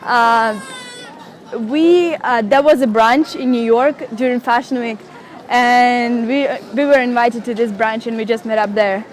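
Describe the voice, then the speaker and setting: High-voiced Russian-accented young woman. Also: a little slow. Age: young adult. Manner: emotional, animated, fillers and restarts. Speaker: interviewee, model and blogger. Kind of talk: casual interview chat. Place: outdoors on a city street.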